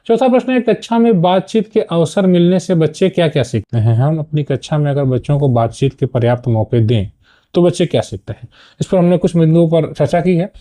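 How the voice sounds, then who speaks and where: Very mellow-voiced male teacher. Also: fairly high pitch, a little fast. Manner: explanatory, frequent "ठीक है" checks. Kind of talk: exam-prep lesson.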